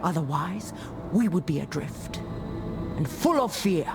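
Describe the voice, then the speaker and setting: An actor playing a solemn, devout tribal warrior spirit in a video game, speaking in a grave, earnest manner. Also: male voice, on the high side, animated, measured pace. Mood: solemn, troubled. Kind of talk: video game character dialogue. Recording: music under the voice.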